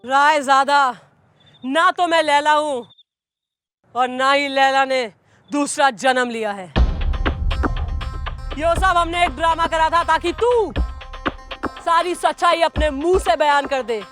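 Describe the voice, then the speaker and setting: An actress with a Haryanvi accent playing a tough, no-nonsense police officer who speaks bluntly in a TV sitcom. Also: female voice, high voice, over music. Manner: brisk, blunt. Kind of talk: TV sitcom acting.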